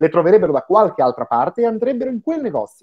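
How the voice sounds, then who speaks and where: A man talks at a very fast pace with very wide pitch swings over a quiet background. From Ferrara, northern Italy; northern Italy. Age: 40s. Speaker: social media consultant; guest. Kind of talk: casual interview. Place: home room. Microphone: video call.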